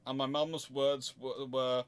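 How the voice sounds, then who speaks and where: A man hosting a casual livestream, chatting in a halting, digressive way with wry, mildly sarcastic asides. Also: medium pitch, flat delivery, clear, resonant tone. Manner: halting, digressive, self-interrupting. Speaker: livestream host answering chat. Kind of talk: casual rambling livestream chat.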